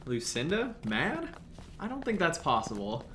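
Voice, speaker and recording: A woman's voice: sits low, huge pitch swings, unhurried, a bit bright, a little hiss or hum, exaggerated voice. A woman playing a jittery, safety-minded townsperson in an audio drama, blunt and anxious. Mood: uneasy.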